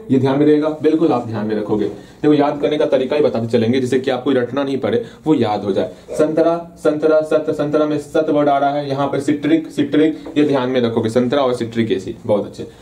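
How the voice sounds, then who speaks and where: A man's voice: mid-range voice, dark tone, slight background noise. A man teaching a casual revision lesson, playfully repeating key terms and asking and answering his own questions. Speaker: science teacher.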